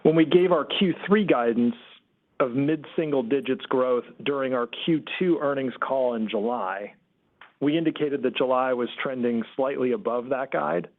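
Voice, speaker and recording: A man's voice: mid-range voice, normal speed. Careful male finance executive, phone-like sound. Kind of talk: formal earnings call answer on financial guidance. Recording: narrow tinny conference phone line.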